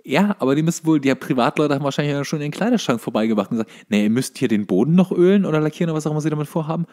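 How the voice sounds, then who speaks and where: A man's voice: a little high, expressive, rapid-fire, a little mellow. A young man co-hosting a podcast in casual banter, slipping in dry, joking asides. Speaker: podcast co-host.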